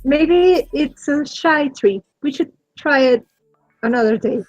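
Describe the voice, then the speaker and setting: A woman playing a tabletop role-playing game, chatting casually with a hesitant, gentle delivery. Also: sits high, expressive, slow, no echo, highs cut off. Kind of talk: casual role-play chat.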